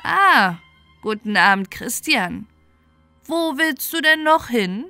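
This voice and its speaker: A woman's voice: sits high, lively intonation, slow pace, pushed and bright, faint music behind, pitched above the performer's own voice, heavily acted. A woman voicing a mysterious little man in a fairy tale, giving stern, emphatic orders. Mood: sly greeting. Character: little mysterious male manikin, commanding and stern.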